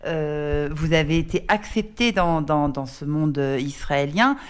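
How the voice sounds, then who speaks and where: A woman's voice: low voice, a little slow, clean tone. A woman interviewing a guest, asking long questions with many hesitations. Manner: hesitant, searching questions with fillers.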